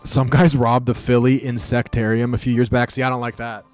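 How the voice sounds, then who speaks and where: A man's voice: medium pitch, level tone, a little fast, darkish tone, faint music behind. A man streaming live, chatting casually with viewers, joking and rambling as he reacts to the chat.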